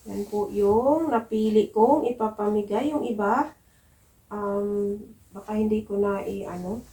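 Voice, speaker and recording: A woman's unremarkable speaking voice, fairly high in pitch, with ordinary pitch variation and a fairly slow pace. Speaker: vlogger. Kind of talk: casual vlog narration.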